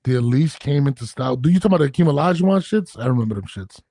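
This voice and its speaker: A husky man in his thirties with a gravelly edge talks bluntly and jokes with heavy profanity. He is recorded close to the mic in a dry room. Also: mid-range voice, expressive, very fast, mellow, no room sound. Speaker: podcast co-host. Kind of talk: casual chat.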